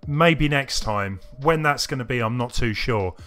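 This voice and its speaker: A man speaks at a middling pitch as he streams a video game. His talk is casual and loosely rambling, addressed to the viewers following along. Music plays faintly behind his voice. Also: animated, unhurried, fairly bright tone. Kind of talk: casual livestream chat to viewers. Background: music playing behind the voice.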